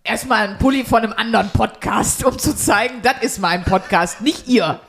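Female podcast host, fairly high voice, teasing and colloquial, loose comedic banter. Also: moderate pace, gravelly, slightly rough.

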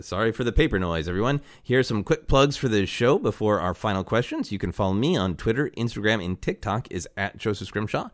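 A man with a deep voice hosts a casual podcast. He is wry and playful in an easy conversational way. The sound is dry and close. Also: no room sound. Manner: chuckles often, wry and playful. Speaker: podcast host.

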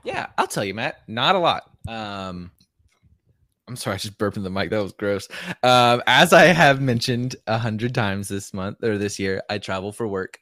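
A man's voice: on the low side, animated, moderate pace, a bit bright, no echo, studio quality. A man co-hosting a casual podcast, talking in a chatty, rambling way with lots of "like", on a handheld microphone. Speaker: podcast co-host.

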